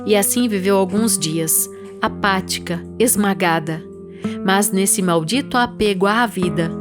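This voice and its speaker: A woman narrating a literary story for an audio drama in a measured, solemn way. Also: medium pitch, over music.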